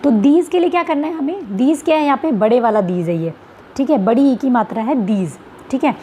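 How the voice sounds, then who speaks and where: A woman's voice: high voice, animated, dark tone, slight background noise. A woman teacher explaining English sounds in an exam-prep lesson, checking in with her students and asking rhetorical questions as she goes. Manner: reads English questions slowly.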